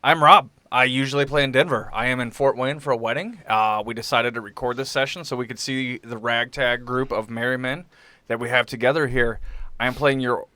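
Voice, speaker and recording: A man's voice: mid-range voice, fairly even intonation, brisk, bright, forceful tone, no echo. A man playing on a tabletop game podcast, bantering casually in a joking, teasing way.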